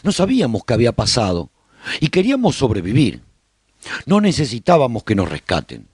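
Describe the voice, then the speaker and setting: A man narrating a radio drama as an earnest, resolute survivor chronicling his colony in a solemn, deliberate way. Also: mid-range voice, wildly swooping pitch, a little mellow, husky, dry recording, studio quality.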